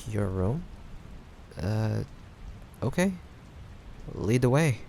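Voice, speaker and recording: A young man playing an affectionate, teasing male friend who is a bit awkward, speaking haltingly in an intimate roleplay addressed to the listener. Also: on the low side, gravelly, full character voice. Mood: hesitant, resigned. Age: young adult. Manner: halting, hesitant, with sighs and soft chuckles. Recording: steady background noise, rain ambience. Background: rain sound effects.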